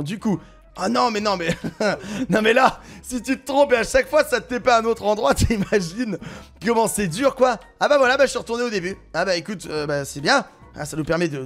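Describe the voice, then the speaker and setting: A man with a French accent giving excited gameplay commentary, exclaiming and laughing often as he plays. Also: high voice. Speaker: gaming YouTuber.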